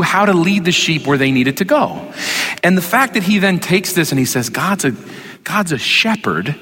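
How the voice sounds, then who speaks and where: A man's voice: mid-range voice, a bit bright. A man preaching a sermon as a pastor, talking in a loose, joking, conversational way straight to the congregation. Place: church sanctuary. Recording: long reverb of a church hall.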